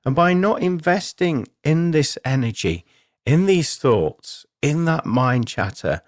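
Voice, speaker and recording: A man hosting a spiritual self-help radio show, talking in a measured, explanatory way with deliberate pauses. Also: a little high, expressive, no echo, studio quality.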